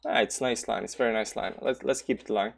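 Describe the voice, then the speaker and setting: A man's voice: lowish voice, steady tone, a little fast, vocal fry. Rambling Balkan-accented man streaming crypto charts. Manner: rambling, many fillers and restarts; reads chat aloud and answers. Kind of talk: casual live chart commentary.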